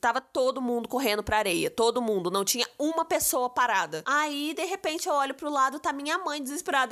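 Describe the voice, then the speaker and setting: A woman speaks in a raised, projected voice, high-pitched and animated, at a very fast pace. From Rio de Janeiro, Brazil. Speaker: podcast co-host. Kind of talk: casual chat.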